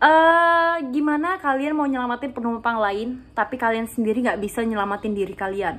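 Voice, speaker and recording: Someone talks at a fairly quick pace in an animated tone. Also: woman. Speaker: flight attendant vlogger. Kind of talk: casual vlog talk to camera. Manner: fast.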